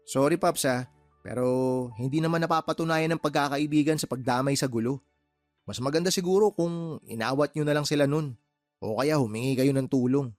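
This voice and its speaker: A man's voice: mid-range voice, fairly quick, no room sound, soft background music, natural voice. A man playing a frank young housemate who teases the older father he looks out for, in a radio drama. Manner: teasing and frank, calls him Paps. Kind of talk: Tagalog radio drama acting.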